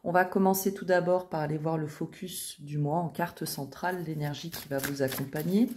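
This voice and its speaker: Woman with a deep voice for a tarot reading video; reassuring, halting delivery. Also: steady tone, background noise. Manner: hesitant, many fillers and tag questions. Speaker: tarot reader.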